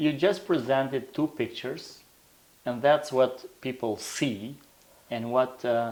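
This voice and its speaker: With an Albanian accent, a man speaks at a fairly slow pace and with ordinary pitch variation. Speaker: author. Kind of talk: interview.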